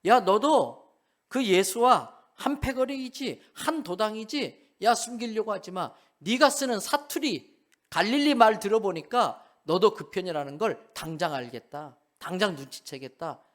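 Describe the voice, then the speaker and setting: A man voicing accusing bystanders in a sermon, speaking high, loud and taunting. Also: normal speed, few pauses, lightly acted. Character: accusing bystanders, rough mocking men.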